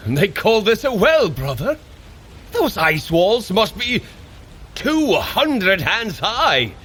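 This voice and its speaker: A strong, boastful Norse warrior god in an audio drama. He booms out heroic, old-fashioned lines with wide, animated swings of pitch, over faint background ambience. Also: very slow, pauses often, a little hiss or hum, full character voice. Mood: awed. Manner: booming, declamatory, archaic heroic phrasing.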